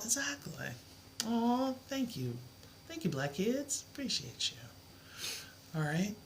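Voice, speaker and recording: A woman's voice: low voice, fairly bright tone, slight background noise. A middle-aged woman teaching a live math lesson, with a soothing voice and an encouraging, reassuring way of talking. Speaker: math tutor.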